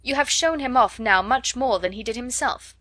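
A witty young woman speaks with arch, light irony and easy poise. A woman reader voices her close and dry, as in a storybook reading. Her teasing stays gentle. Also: a little high, normal speed, no echo, pitched above the performer's own voice.

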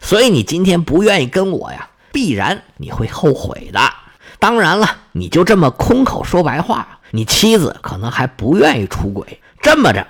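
A man's voice: on the high side, wildly swooping pitch, moderate pace, full character voice. A male storyteller voicing a haughty, scheming goddess of dawn who coaxes and then mocks. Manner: coaxing, then cold and mocking.

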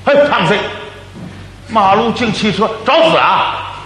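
A scornful street cop of the old days scolds and mocks, as a man puts him on. The voice is pushed high with lively swings. It rings through an echoey hall with faint noise behind. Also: unhurried, exaggerated voice. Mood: scornful scolding. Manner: scolding, mocking. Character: bullying old-era male street policeman, scornful.

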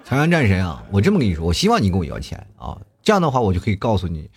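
A man's voice: on the low side, huge pitch swings, racing, a little hiss or hum. A middle-aged man hosting a casual chat show, reading listener messages aloud and teasing them with jokes and laughter. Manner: joking, teasing, often laughing.

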